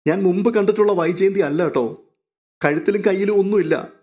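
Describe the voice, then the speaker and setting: A man's voice: high-pitched, brisk, a little mellow, pitched above the performer's own voice, natural voice. A man doing an eager, chatty young girl.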